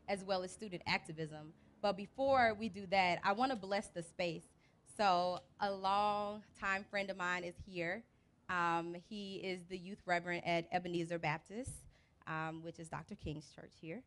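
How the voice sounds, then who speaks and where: Hailing from Birmingham, Alabama and Cleveland, Ohio, a young adult woman with an American accent presents informally to a live audience as a teacher coach, keeping things chatty, casual, and colloquial. She's outdoors under a large event tent, using a handheld mic through PA speakers, and her voice is low-ish and a little bright.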